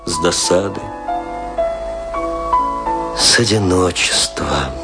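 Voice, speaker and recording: An actor playing a lonely, embittered, hard-drinking stage actor in a radio play, declaiming theatrically and broodingly with a husky voice. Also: male voice, deep voice, over loud music, full character voice. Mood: defiant, drunken. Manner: declamatory, brooding, with rhetorical questions and long pauses. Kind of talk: theatrical dramatic monologue, Russian radio play.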